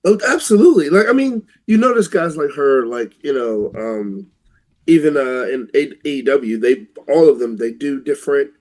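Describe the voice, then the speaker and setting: A man's voice: medium pitch, expressive, moderate pace, darkish tone. A man co-hosting a casual talk show, giving informal opinions and rephrasing as he goes.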